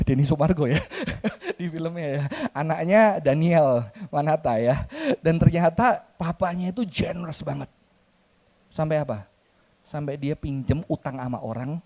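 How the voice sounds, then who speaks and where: A man with a Jakarta accent preaching in a church with a fairly high voice. He tells stories in an animated, joking way and mixes in slang and English words. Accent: Jakarta Indonesian. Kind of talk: sermon.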